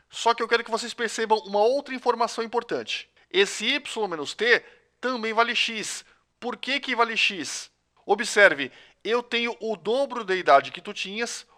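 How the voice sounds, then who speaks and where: A man's voice: high-pitched, bright, forceful tone. A man with a Brazilian Portuguese accent teaching a recorded math lesson, explaining step by step and talking straight to his students. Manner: patient step-by-step explaining, addresses students directly.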